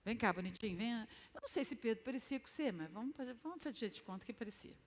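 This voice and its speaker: A Brazilian woman preaching a lively youth sermon in a church hall, acting out scenes and quizzing the crowd. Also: fairly high pitch, fast. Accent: Brazilian Portuguese.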